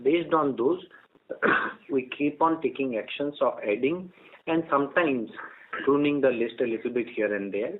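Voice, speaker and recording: A man answers formally and deliberately as a company executive. His pitch is average, and he is heard over a tinny phone line with slight noise. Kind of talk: earnings call answer.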